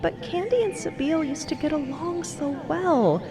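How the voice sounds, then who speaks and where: Woman acting anxious girl, high pitch, swooping delivery, earnest run-on worrying, podcast drama, music behind. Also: animated, normal speed. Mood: wistful. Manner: rambling, breathless run-on worrying. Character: anxious young niece, a girl, earnest and fretful.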